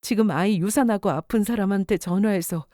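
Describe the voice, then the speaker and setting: A woman's voice: mid-range voice, fairly quick, warm tone, dry recording, studio quality, close to an everyday voice. A woman playing a young wife who has just lost her pregnancy, emotional and indignant in a radio drama. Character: grieving young wife after miscarriage.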